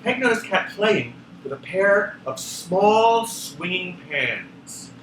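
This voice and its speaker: A man with a high voice narrates a children's story in a very animated, theatrical way. He sounds a little distant in an echoey room. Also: takes it slowly, a little hiss or hum. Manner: expressive, theatrical. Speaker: children's book author and co-reader.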